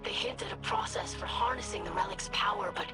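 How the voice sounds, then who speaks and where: An actress playing a young, earnest alien scribe in a video game, speaking in a formal, precise, inquisitive way. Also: female voice, medium pitch, very animated, a little fast, over loud music, lightly acted. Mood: studious. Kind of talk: dramatic video game acting.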